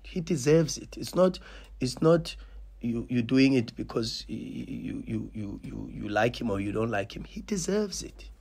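A man's voice: mid-range voice, animated, moderate pace, gravelly, darkish tone, breathy edge. A South African man in his thirties, a football coach speaking passionately at a post-match press conference, repeating and restarting words for emphasis, at a table mic in a small press room. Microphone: table mic on stand.

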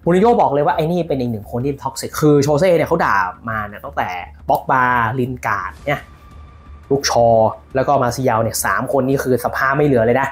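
A man giving casual football news commentary on his own channel, lively and animated, shouting out players' calls as he explains. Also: medium pitch, quick pace.

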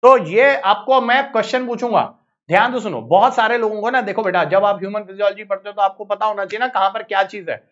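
A man with an Indian accent teaching biology in a live online exam-prep lecture, brisk and coaxing, repeating phrases to hurry his students along. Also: high voice, a bit bright. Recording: slightly dull lo-fi audio.

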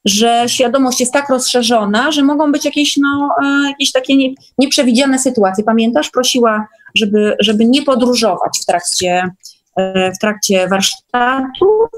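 A woman's voice: on the high side, normal speed, faint music behind. A woman guest casually recounting experiences in an online meeting, chatty and often seeking agreement.

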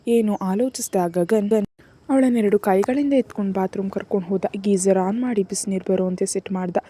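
A woman narrating a serialized romance novel in a steady, soft storytelling manner. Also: mid-range voice, a little fast. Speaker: audiobook narrator.

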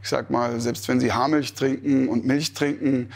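A man's voice: medium pitch, little pitch movement, normal speed, creaky. A man in his fifties answering interview questions thoughtfully, with many hesitations, in a barrel cellar. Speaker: traditional brewer.

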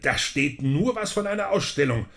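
A creaky-voiced male academic, flustered and fussy. He stammers reluctantly through his lines as the hero's friend in a radio play, with faint noise in the recording. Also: a little high, animated, moderate pace, fairly bright tone. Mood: flustered, puzzled. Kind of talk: German audio drama acting.

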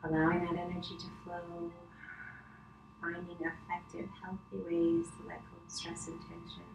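A middle-aged woman instructs yoga in a lowish voice that stays very even. Her cues are gentle and unhurried, with soothing pauses between them. The room adds clear echo, and there is noticeable noise behind her. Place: wood-panelled living room, indoors. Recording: roomy echo, clear background noise, distant camera.

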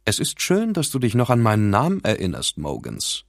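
A man voicing a vain, smug rival who taunts with mock surprise, in a lowish voice. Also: wildly swooping pitch, fairly quick, creaky, no echo, clean studio sound, heavily acted. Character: smug, mocking male rival, a vain show-off.

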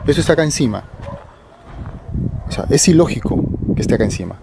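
A man's voice: a little high, animated, fast, gravelly. A middle-aged Peruvian man casually narrating a night exploration vlog outdoors, hesitant and often repeating his phrases. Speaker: vlogger. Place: outdoors on a hillside cemetery at night. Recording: noisy outdoor night camera recording.

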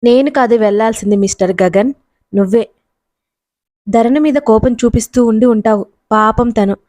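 A woman's voice: on the high side, normal speed, dark tone, no echo, close to an everyday voice. A woman voicing a teasing young adult male friend in a storybook, with playful banter.

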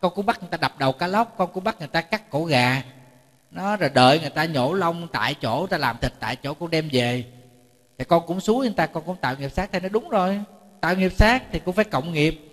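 A man's voice: a little high, expressive, quick pace. A man, a Buddhist monk giving a chatty storytelling sermon, often repeating words and joking with his audience. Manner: jokes with the audience. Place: temple lecture hall. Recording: reverberant hall.

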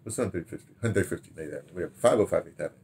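An older man telling stories casually to camera in an animated, rambling way, repeating himself and trailing into asides. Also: sits low, rapid-fire, noisy background. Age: older, 60s or 70s. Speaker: radio drama director reminiscing. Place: small home study, indoors.

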